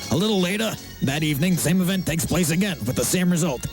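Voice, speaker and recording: Man as a gravelly, cocky security guard comedian. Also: on the high side, lively intonation, quick pace, music in the background. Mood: gleeful joke-telling. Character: brash male station security guard, aspiring stand-up comic. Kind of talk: comic radio character bit telling jokes.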